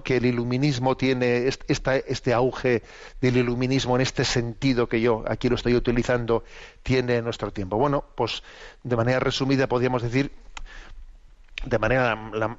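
A man hosting a religious commentary program, explaining in a measured, teacherly way with rhetorical questions and frequent tag questions. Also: medium pitch, lo-fi sound.

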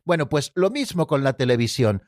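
A man's voice: mid-range voice, big pitch swings, moderate pace, a little mellow, no room sound, studio quality. A man hosting a Catholic radio program, teaching the catechism in an earnest, didactic way and speaking straight to his listeners.

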